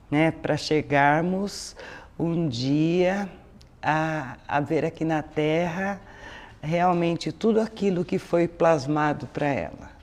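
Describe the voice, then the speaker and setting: A woman's voice: low-pitched, darkish tone. A woman with a Brazilian accent giving an informal religious talk as a lecturer, in a didactic manner with frequent tag questions. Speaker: spiritist lecturer.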